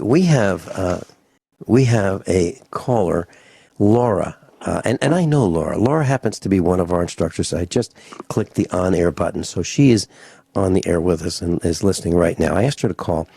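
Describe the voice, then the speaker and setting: A man's voice: deep voice, vocal fry, mellow, husky, no room sound. A man in his sixties hosting a radio talk show, chatting casually and rambling with restarts and fillers. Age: 60s. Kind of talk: casual radio interview chat.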